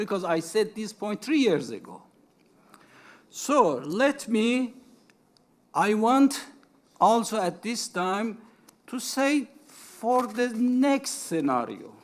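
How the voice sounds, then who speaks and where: Speaking very slowly with long, frequent pauses, a man with an Iranian accent uses a high pitch and very wide pitch swings. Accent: Iranian (Persian) accent in English. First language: Persian. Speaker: diplomat and researcher. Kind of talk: conference speech. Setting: stage at a media forum. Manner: halting.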